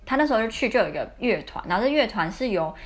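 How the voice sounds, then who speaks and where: Fast-talking young Taiwanese woman. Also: on the high side, very animated. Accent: Taiwanese Mandarin. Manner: chatty, candid, confiding. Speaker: podcast host. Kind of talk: casual storytelling chat.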